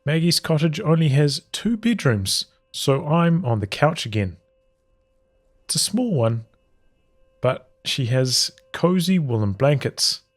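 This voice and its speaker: A man reading journal entries from a visual novel aloud as storytelling, in measured, halting phrases with pauses. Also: on the high side, expressive.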